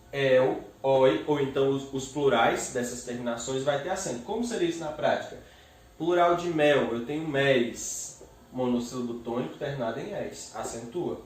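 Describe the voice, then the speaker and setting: A man teaching a grammar lesson, explaining step by step and slowly splitting words into syllables. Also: mid-range voice, distant mic. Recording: echoey room, voice away from the mic.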